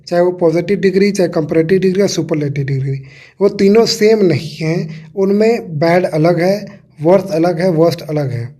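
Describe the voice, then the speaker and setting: Young male teacher, mellow tone, patient explainer who repeats examples. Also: sits high. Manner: patient, repeats points and spells out examples, frequent "uh" fillers. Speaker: English grammar teacher. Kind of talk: casual explanatory lesson.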